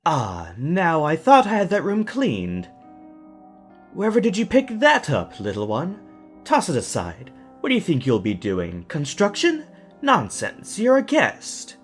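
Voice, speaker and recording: A man's voice: on the high side, huge pitch swings, measured pace, faint music behind. A man playing a suave, menacing villain in an audio drama, talking with theatrical, patronizing courtesy. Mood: mock-polite menace. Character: suavely menacing male villain, mock-polite captor.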